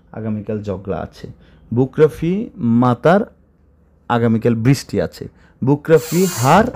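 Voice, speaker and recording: A man with a mellow, darker voice gives a language lesson. He goes word by word and repeats each phrase. He keeps checking his listeners with quick questions. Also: mid-range voice. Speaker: Arabic teacher.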